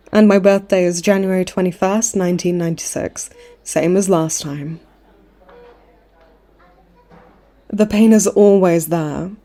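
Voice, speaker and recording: A woman plays a smug, flirtatious supervillain in her late twenties who is stuck in the hospital, using a mellow, lowish, lightly acted voice. In this comedic audio roleplay she sounds flirty and sweet, teasing and taunting with theatrical mock-sweetness.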